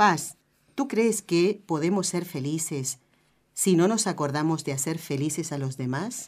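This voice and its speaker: With a normal speaking voice, a woman talks at a fairly slow pace with lively intonation on a very clean recording with a silent background. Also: fairly low pitch for a woman. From Argentina. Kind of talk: religious radio talk; interviewing children.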